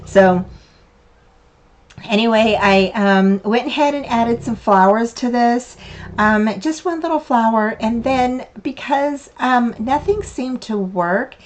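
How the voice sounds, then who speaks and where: An older woman hosts a craft channel's card-making tutorial, narrating in a casual, meandering way full of fillers and restarts. Her fairly high voice is a little raspy and hoarse from a lingering cough, and she speaks slowly.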